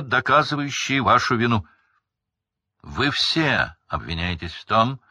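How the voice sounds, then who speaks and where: A man voicing a stern, hateful middle-aged magistrate who shouts his sentence at the accused. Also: sits low, no room sound, heavily acted.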